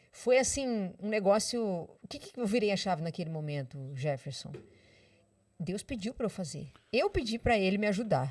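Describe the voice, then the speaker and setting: A woman speaks at a medium pitch and a moderate pace, animated in tone with very wide pitch swings. She leaves long, frequent pauses. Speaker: motivational speaker. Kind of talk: interview.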